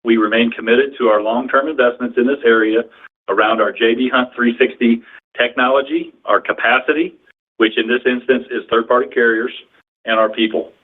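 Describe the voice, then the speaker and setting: A man speaking as a company executive, reading prepared remarks in a formal, measured way on a conference call. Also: mid-range voice, steady tone. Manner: formal, measured corporate delivery. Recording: narrow tinny phone-line sound.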